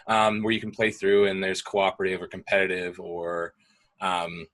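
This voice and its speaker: Young man, very low voice with a bright edge, easygoing explainer on a video call. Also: normal speed, poor audio. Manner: relaxed, explanatory, hedging with fillers. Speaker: guest speaking about gaming. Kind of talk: casual video call discussion.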